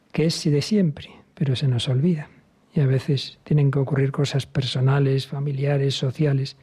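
A man from Spain preaching a sermon as a priest, speaking earnestly and emphatically and sometimes dropping to a hushed whisper. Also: mid-range voice, husky. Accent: Spain Spanish.

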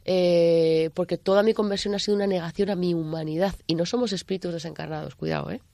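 Fast-talking, creaky-voiced Spanish woman. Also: lowish voice, no room sound, studio quality. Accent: Spanish, from Spain. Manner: expressive, emphatic, repeats herself. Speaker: interview guest. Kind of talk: candid, chatty personal testimony.

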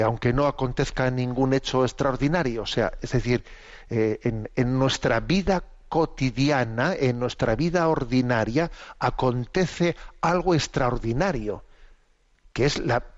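A man hosting a religious commentary program, explaining in a measured, teacherly way with rhetorical questions and frequent tag questions. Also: medium pitch, highs cut off.

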